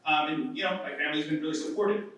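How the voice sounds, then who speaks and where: A man's voice: on the high side, fairly bright tone. A man from Ecuador asking a long question from the audience, hesitant with many "um"s. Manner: halting, many "um" fillers and restarts. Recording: echoey hall from far off.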